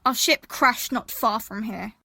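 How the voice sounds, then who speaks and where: A woman playing a quick-thinking young woman who bluffs politely in an audio drama, careful and placating. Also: on the high side, gravelly, sharp tone, slightly rough, dry recording, studio quality, heavily acted. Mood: nervous, bluffing.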